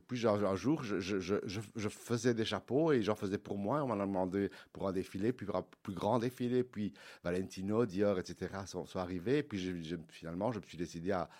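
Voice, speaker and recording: A middle-aged man from Belgium, an interview guest who talks about his craft in an animated way and often repeats words. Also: low voice. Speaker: milliner guest. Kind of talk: interview answers.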